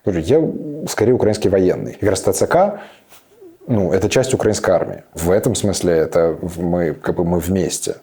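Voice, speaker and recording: A man in his thirties answering interview questions reflectively, pausing and restarting often with many fillers. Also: deep voice, expressive, warm tone. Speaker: interview guest, serving soldier.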